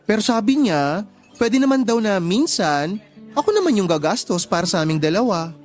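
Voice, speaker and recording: An actor playing a sassy, lovestruck young gay person in a Tagalog radio drama, with campy, expressive delivery. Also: male voice, high-pitched, normal speed. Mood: smitten, proud. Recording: music bed behind the voice.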